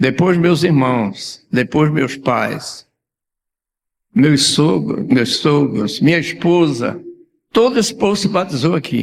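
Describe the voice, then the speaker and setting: A man with vocal fry and a fairly high pitch speaks at a very slow pace, with very wide pitch swings, very even loudness, long, frequent pauses and audible room echo. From Brazil, Rio Grande do Norte (Mato Grande region). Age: 80s+. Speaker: pastor. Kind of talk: sermon. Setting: church meeting of pastors.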